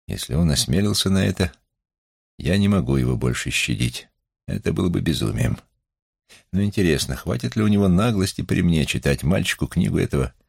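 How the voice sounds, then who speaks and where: A male reader gives voice to a proud, wrathful older scholar who keeps his fury under control. The voice is extremely deep and husky, with a gravelly edge. It sits close and dry, with no room around it. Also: no room sound, exaggerated voice. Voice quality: husky, creaky low voice.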